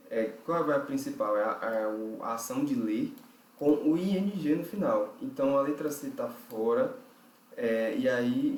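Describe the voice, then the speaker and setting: A man teaching an English grammar lesson, explaining each step slowly and often checking with "right?". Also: mid-range voice, a little mellow, reverberant, rough recording. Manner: explains step by step, with frequent fillers and checks like "certo?". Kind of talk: recorded online lesson.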